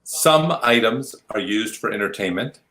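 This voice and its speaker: A man's voice: lowish voice, expressive, measured pace, bright, forceful tone, rough recording. A man hosting a game show, calling turns and strikes and explaining his rulings in a game show host's delivery.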